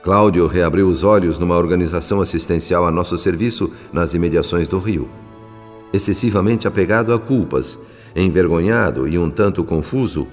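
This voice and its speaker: A humble spirit narrator tells a radio drama story with solemn, measured delivery. The voice is very low, carried by long reverb over soft music. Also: male voice.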